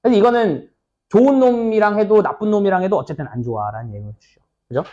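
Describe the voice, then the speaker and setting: Guy teacher going over english exam stuff, kinda high voice, really bouncy up and down, chatty. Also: expressive, fast talker, dark tone, dull audio. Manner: chatty, asks students "right?" often, acts out little skits. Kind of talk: lecture explaining an exam passage.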